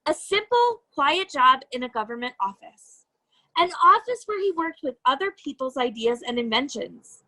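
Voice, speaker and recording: A woman reading a children's storybook aloud as an educator, with expressive, deliberate phrasing and emphasis on key words. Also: high voice, rough recording.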